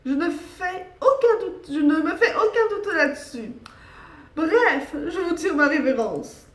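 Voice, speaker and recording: A man's voice: very high-pitched, expressive, measured pace, a bit bright, roomy sound, pitched above the performer's own voice, heavily acted. A woman voicing a polite, formal hotel worker. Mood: courteous. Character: courteous male hotel worker, loyal friend.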